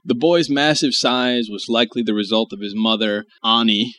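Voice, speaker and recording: A man's voice: mid-range voice, steady tone, moderate pace, a bit bright. A man hosting a comedy podcast, reading articles aloud and riffing with crude jokes while chuckling. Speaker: podcast host. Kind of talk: casual comedy podcast chat.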